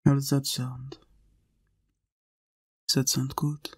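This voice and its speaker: Slow, even-toned man as a lonely vampire. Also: medium pitch, slightly rough. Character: lonely, tender centuries-old male vampire in a castle. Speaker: roleplay audio performer. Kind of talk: intimate scripted roleplay audio acting.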